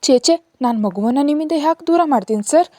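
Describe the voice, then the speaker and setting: A woman's voice: high voice, expressive, fairly quick, warm tone, no echo, clean studio sound, voice pushed up. A woman voicing an earnest, anxious young female caregiver who keeps pressing with questions.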